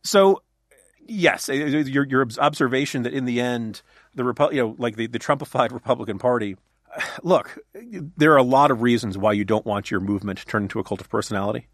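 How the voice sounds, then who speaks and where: A man's voice: medium pitch, fairly quick, no echo. Rambling male podcast guest, dry sound. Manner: rambling, many restarts, jokey. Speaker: guest author. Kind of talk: casual political chat.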